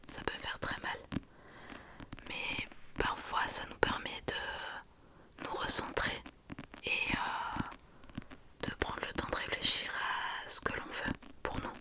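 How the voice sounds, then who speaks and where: Woman doing asmr, whispering like in a library, really slow, kinda hesitant explaining w pauses. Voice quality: soft library whisper, unvoiced. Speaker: ASMR creator. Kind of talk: whispered ASMR book talk.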